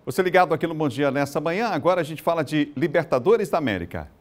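A man presenting a regional morning TV news bulletin with a brisk announcer delivery and a Brazilian accent from Maranhão. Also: a little high, animated. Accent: Brazilian Portuguese, Maranhão. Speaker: news anchor.

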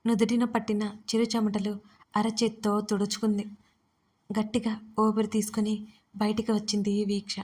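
A woman narrating an audio story in a steady, measured reading. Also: mid-range voice.

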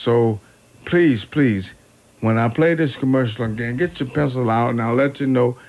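A man hosting an R&B oldies radio show with unscripted, fumbling chatter, repeating and correcting himself as he goes. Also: medium pitch. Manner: halting, fumbling, self-correcting, repeats words. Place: radio studio. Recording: narrow, phone-like AM radio aircheck.

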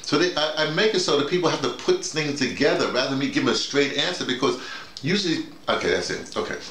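A man's voice: on the high side, fast. An older man with an American accent talking informally, explaining in a digressive way and often acting out quoted remarks. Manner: digressive, self-quoting, animated storytelling. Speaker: theater director and workshop leader. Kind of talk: informal debrief, rambling explanation. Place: small bedroom, indoors. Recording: echoey room with faint noise.

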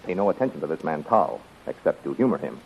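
An actor playing a strong, smooth-talking servant, earnest and courtly, in a 1930s radio style. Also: male voice, very deep voice, big pitch swings, quick pace, exaggerated voice. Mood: secretive, urgent. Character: powerfully built, smooth-talking, scheming male servant. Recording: muffled, hissy 1930s radio recording.

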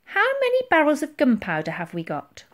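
A woman's voice: sits high, wildly swooping pitch, fairly quick, slight background noise, voice pushed up. A woman voicing a plucky, determined young girl in a children's story, speaking eagerly and insistently.

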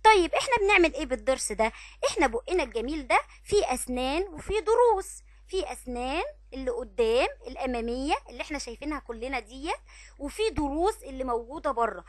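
A woman with an Egyptian Arabic accent teaches little children in a recorded lesson, using a high, lively voice. She draws out syllables in a sing-song way and praises often. The recording is dry and close, with no room sound. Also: fast, dry recording. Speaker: kindergarten teacher.

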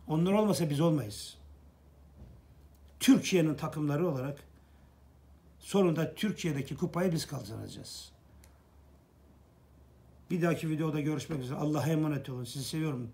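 A man's voice: a little high, expressive, fairly quick, gravelly, long pauses, warm tone. A middle-aged man gives an earnest, preachy fan monologue to camera, repeating phrases for emphasis. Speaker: football fan vlogger.

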